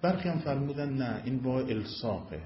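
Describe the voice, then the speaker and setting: A man's voice: lively intonation, slight background noise. A man explaining Arabic grammar as a religious teacher, in a patient lecturing manner, often lifting and dropping his voice for emphasis. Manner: explanatory, rises and falls in pitch for emphasis. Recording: echoey room, dull lo-fi sound.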